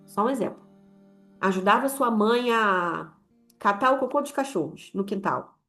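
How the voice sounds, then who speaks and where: A woman's voice: mid-range voice, animated, moderate pace, fairly bright tone, faint music behind. A young adult woman with a Brazilian Portuguese accent giving an informal sermon to women, talking in a conversational way and acting out quoted voices. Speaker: women's ministry leader.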